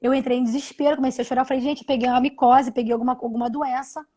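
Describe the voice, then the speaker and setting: Woman in her 30s, pretty high voice, keeps restarting her sentences, home video call. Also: steady tone, warm tone. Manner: halting, many restarts and repeated words. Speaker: interview guest. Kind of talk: personal story on a live video call.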